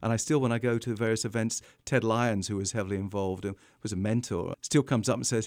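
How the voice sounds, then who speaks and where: A man with an English accent, fairly low-pitched, with a fairly even intonation and a very fast pace, on a very clean recording with a silent background. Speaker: marketing consultant. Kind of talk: interview. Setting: radio studio.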